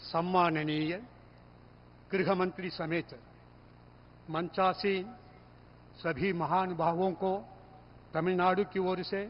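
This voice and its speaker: High-pitched male voice with fairly even intonation. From Tamil Nadu. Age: 80s+. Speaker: Hindi scholar and translator. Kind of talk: formal speech. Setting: stage with audience. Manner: formal.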